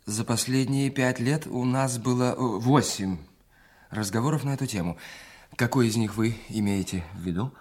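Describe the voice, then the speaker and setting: An actor playing a guarded, calm and exacting male spy in an audio drama, husky and measured, with pauses. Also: medium pitch, natural voice.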